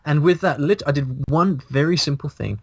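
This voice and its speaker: A man in his thirties, a guest on a video call, talking in a casual, animated way and restarting his sentences as he thinks aloud. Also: on the high side, moderate pace, vocal fry, no room sound. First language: English. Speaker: guest, language blogger. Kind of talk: casual interview. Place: small room indoors. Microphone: video call, earphones, mic in front.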